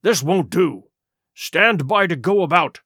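A man voicing a stubborn, defiant old pirate leader with rough, blustering sailor's talk. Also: high voice, animated, unhurried, pushed and bright, no echo, studio quality, full character voice. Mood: steadying.

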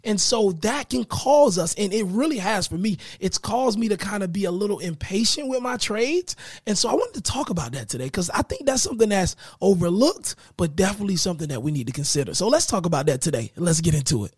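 A man hosting his own podcast in a casual motivational style, with a raspy voice that is giving out, often checking in with his listeners. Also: high-pitched, quick pace, few pauses, no room sound, studio quality. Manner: energetic, hyped greetings, repeats "right?". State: losing his voice. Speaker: podcast host.

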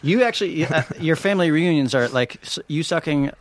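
A man's voice: fairly high pitch, animated, quick pace, no room sound. A man chatting casually and jokingly as an interviewer. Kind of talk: casual comedic chat.

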